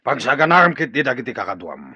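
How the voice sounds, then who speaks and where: An actor playing a stern, hot-tempered tribal chief and father in an Ilocano radio drama, with a raspy, forceful, commanding voice. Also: mid-range voice, sing-song, fast, no room sound, dull audio, full character voice. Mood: urgent, demanding. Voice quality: gravelly, raspy.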